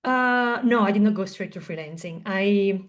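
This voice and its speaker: A woman's voice: medium pitch, normal speed. Woman, thirties, Italian native speaker, chatty guest, storytelling, lots of ums. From southern Italy. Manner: chatty, storytelling with frequent fillers. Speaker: guest, translator and tech co-founder. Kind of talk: casual podcast interview.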